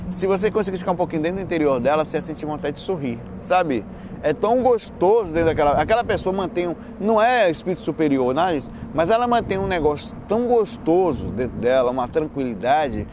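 A man's voice: on the high side, noisy background. A man with a Bahian Brazilian accent chats in a casual, rambling, playful way, full of slang and restarts. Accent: Bahian Brazilian Portuguese. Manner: colloquial, slangy, playful, with repeated false starts and self-interruptions. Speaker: speaker answering audience questions on spirituality and lifestyle.

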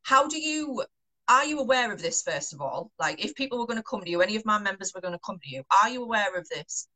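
A woman's voice: mid-range voice, lively intonation, fast talker, sharp tone, rough recording. A young woman interviewing a trainer in a casual chat, asking long, self-correcting questions.

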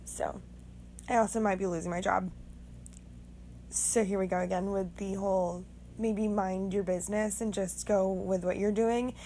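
Raspy just-woke-up young woman rambling. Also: medium pitch, steady tone, moderate pace, warm tone, a little hiss or hum. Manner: rambling, frank, swears casually. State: just woken up. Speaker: podcast host. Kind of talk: casual monologue.

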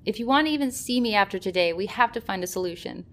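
An actress playing a fretful, stubborn young shadowrunner who talks in dramatic cyberpunk slang in an audio drama. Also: female voice, medium pitch, animated, fast, a bit bright. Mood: exasperated.

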